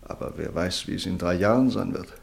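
An actor playing a sober, solicitous doctor and family friend in a radio drama, measured and gently admonishing. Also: male voice, deep voice, vocal fry. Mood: grave, cautioning. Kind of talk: mid-century German radio drama acting.

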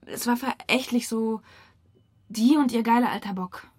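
A woman's voice: fairly high pitch, moderate pace, a little mellow, breathy edge. An actress playing a distraught but defiant young woman in a German radio crime drama. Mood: bitter. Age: young adult.

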